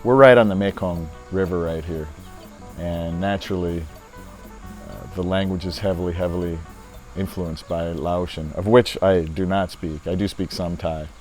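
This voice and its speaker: Older man, very low voice, relaxed rambling vlogger with faint music under. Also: moderate pace. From United States. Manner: rambling, easygoing, with many fillers. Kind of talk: casual talk to camera.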